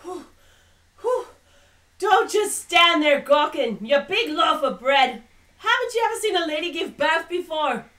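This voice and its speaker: A woman playing a sharp-tongued Mary in labor. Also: high-pitched, sing-song, a little slow, recorded from a distance, full character voice. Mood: exasperated. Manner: brassy, bossy, out of breath.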